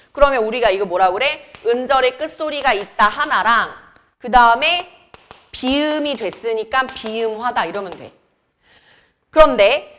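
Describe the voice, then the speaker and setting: A young woman teaching a grammar lesson to students in a chatty way, quizzing them with quick questions. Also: fairly high pitch, a bit bright. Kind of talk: classroom lecture.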